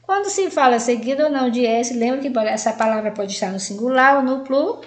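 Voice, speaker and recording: A Brazilian woman teacher with a Brazilian Portuguese accent gives a grammar lesson to adult learners in a high voice with a roomy sound. She speaks slowly, spells out examples word by word, and often adds "né?".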